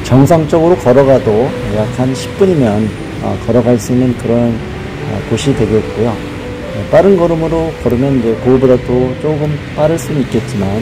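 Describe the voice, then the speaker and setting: Background music plays throughout. The speaking pace is moderate. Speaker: walking tour vlogger. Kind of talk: casual narration. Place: street. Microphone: phone near.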